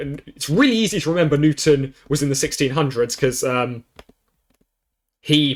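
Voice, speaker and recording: A man with a southern English accent, fairly high in pitch, with ordinary pitch variation. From southern England. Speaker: gaming YouTuber. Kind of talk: casual commentary while gaming. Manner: rambling, hesitant with many fillers.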